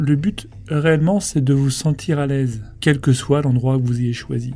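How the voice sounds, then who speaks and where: A man's fairly high voice with ordinary pitch variation at a fairly slow pace. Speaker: hypnotherapist. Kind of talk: guided hypnosis. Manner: soft-spoken.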